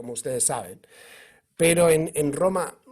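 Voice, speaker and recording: A somewhat breathy male voice of fairly high pitch. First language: English (speaking Spanish). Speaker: author. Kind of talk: book presentation talk. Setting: press conference. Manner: halting, many false starts.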